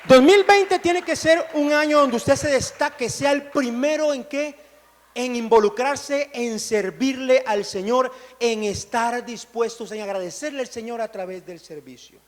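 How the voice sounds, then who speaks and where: A man preaches with a strikingly high voice, calling on his congregation to answer him and repeat his phrases. The sound rings with a long church-hall reverb. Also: unhurried. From Colombia. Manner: call-and-response, urging the congregation to repeat phrases. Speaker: pastor. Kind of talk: sermon.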